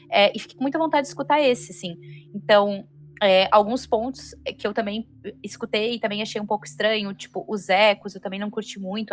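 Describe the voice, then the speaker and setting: A woman's voice: mid-range voice, fairly bright tone. A Brazilian woman giving her opinion in casual panel chat, informal and emphatic, repeating words for stress. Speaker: panelist on a reaction show. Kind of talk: casual spoken review chat. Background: music.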